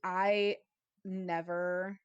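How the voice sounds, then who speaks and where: A woman's voice: fairly low pitch, flat delivery, very slow, clear, resonant tone, no echo, muffled recording. Woman cohosting a podcast, takes her time, hesitant, really dry close headset sound. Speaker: podcast co-host. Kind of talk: casual chat.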